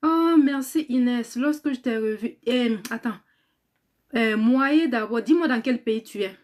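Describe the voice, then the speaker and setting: A woman's voice: fairly high pitch, measured pace, a little mellow. A tired woman in convalescence who trains people in cosmetics business, chatting casually on a live stream, reading viewer comments aloud, thanking them and praying aloud, and repeating words often.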